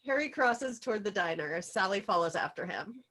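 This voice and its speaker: A woman's voice: medium pitch, animated, moderate pace, fairly bright tone, husky. A woman narrating stage directions in an informal script table read.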